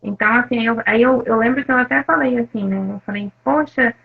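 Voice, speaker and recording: Gravelly, husky Brazilian woman on a call. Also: a little high. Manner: soft, halting, many fillers. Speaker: interview guest, attack survivor. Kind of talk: emotional personal testimony. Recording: phone-like narrow sound.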